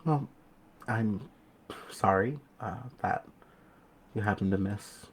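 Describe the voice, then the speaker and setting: A man's voice: lowish voice, slow pace, slight background noise. A man voicing a kindly young woman who guides the departed in a tabletop game, speaking hesitantly and reassuringly. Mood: gentle, reassuring.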